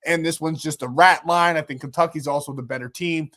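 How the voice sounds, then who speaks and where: A New York man who hosts a sports betting channel rambles confidently through his picks, correcting himself as he goes, though he's sick and losing his voice. His voice sits on the high side, fairly quick, with a bright, forceful tone.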